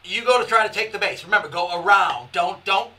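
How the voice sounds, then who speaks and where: A man hosting a casual gaming session with friends, bossy and laughing as he gives quick orders, recorded on a distant mic in a shared room. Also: high voice, expressive, bright, forceful tone. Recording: distant mic with faint noise.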